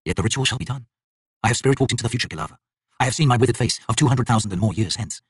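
A man's voice: mid-range voice, racing, slightly rough, no echo, studio quality, close to an everyday voice. A man playing a grim young male tribal shaman in a fantasy audiobook, speaking with cold, urgent force. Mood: grave accusation.

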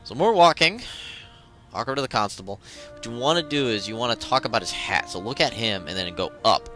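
Bright, animated man commentating on a game. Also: medium pitch, fairly quick. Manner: irreverent, jokey interjections. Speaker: video game walkthrough host. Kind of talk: casual joking game commentary. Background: game music.

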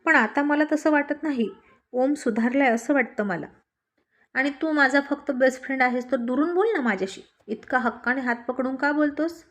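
Woman doing a teasing young wife, coaxing and cheeky, highish voice. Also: moderate pace, fairly bright tone. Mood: challenging.

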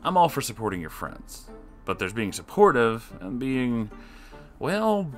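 A man reading an online story aloud, adding sarcastic asides to the listener in a lively voice that swings between loud and quiet. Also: medium pitch, unhurried, faint music behind. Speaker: story reader.

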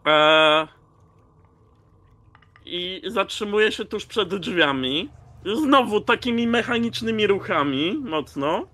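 A man describes his character's moves in a tabletop game. His voice is somewhat high and bright, and he takes his time, thinking aloud with casual hesitation. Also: animated, takes it slowly. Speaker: player in a tabletop role-playing game.

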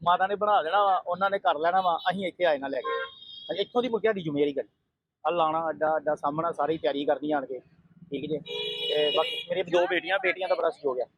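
A man's voice: a little high, fast, no echo, muffled recording. A man who runs a family food stall, speaking in an earnest, repetitive way in a casual interview. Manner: earnest, repeats himself.

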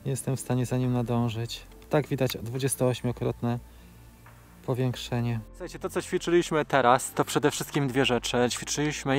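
A man in his forties talks through each step of a drone flight in a calm, practical way, his voice sitting at a middling pitch. He pauses between phrases with filler sounds. Faint music plays under him. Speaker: drone video creator. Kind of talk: hands-on tutorial commentary. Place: outdoors in open grassland.

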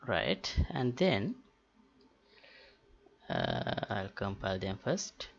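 A man talking through a software tutorial unscripted, thinking aloud in a halting way with pauses mid-sentence. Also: on the low side, wildly swooping pitch, creaky. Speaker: tutorial host. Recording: dull, muffled lo-fi voice-over. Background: keyboard typing and mouse clicks.

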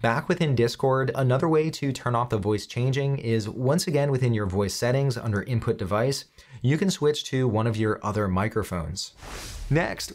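A man in his thirties hosting a software tutorial, explaining each step in a clear, instructional way straight to the viewer. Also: mid-range voice. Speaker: tutorial host.

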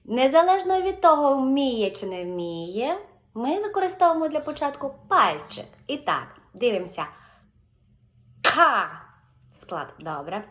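A woman with a Ukrainian accent, a speech therapist teaching a video lesson and slowly drawing out sample syllables and words. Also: high-pitched, sing-song. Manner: slow, drawn-out modeling of syllables and words.

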